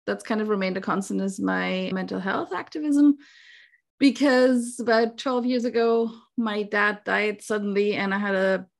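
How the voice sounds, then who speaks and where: A woman's voice: medium pitch, little pitch movement, moderate pace, creaky. A woman, chatting casually as a podcast guest and laughing often. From Austria. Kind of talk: casual chat.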